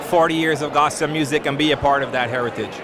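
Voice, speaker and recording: A man's voice: a little high, fairly even intonation, fast. A man working as a red carpet interviewer, chatting in an upbeat, gushing, complimentary way with guests. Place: busy red carpet event. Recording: loud crowd noise at busy event.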